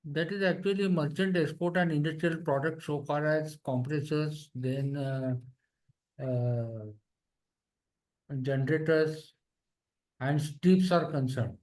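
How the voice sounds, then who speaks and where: Higher-pitched Indian man, company executive. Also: steady tone, slow, a little mellow, poor audio. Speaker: company executive answering investor questions. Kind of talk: question-and-answer on an earnings call.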